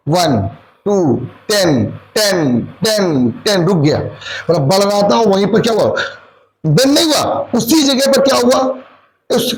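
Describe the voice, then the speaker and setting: A man's voice: high voice, darkish tone, a little hiss or hum, poor audio. A man teaching a maths lesson, asking and answering his own questions and mixing English maths terms into his Hindi. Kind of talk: classroom lecture.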